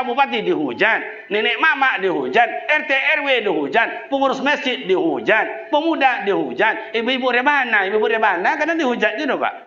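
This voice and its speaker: A man preaching a humorous sermon, teasing the congregation and mimicking local people. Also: extremely high pitch. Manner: jokey, lively storytelling with mimicked voices. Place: mosque. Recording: echoey mosque, dull sound.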